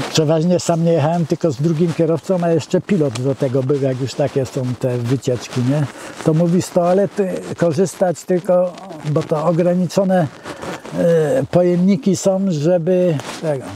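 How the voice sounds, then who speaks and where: Noticeable background noise behind a man's moderate-paced speech, high in pitch with ordinary pitch variation. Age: 70s. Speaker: retired truck driver. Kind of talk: interview. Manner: halting, with many fillers.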